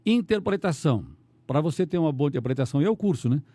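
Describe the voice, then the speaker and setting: A middle-aged Brazilian man, a radio announcer, chatting on a podcast in a rambling, animated way with many restarts. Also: on the high side, fast, dry recording. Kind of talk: casual podcast conversation.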